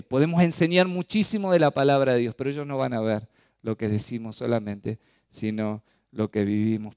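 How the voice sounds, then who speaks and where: A man preaching a sermon as pastor, expressive and acting out the voices he quotes. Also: medium pitch, clear, resonant tone, no echo, clean studio sound.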